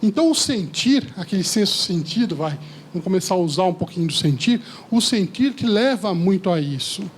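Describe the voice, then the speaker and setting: A man giving a lively seminar talk to a live audience, often asking the listeners questions. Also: sits high, fairly quick, slight background noise. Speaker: speaker at a seminar. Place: lecture hall with audience.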